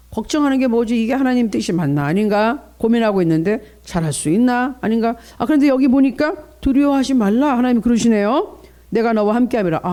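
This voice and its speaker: A man's voice: very high voice, a little mellow. A middle-aged male pastor preaching at a dawn prayer service, earnest, coaching the congregation in how to pray and asking for their responses.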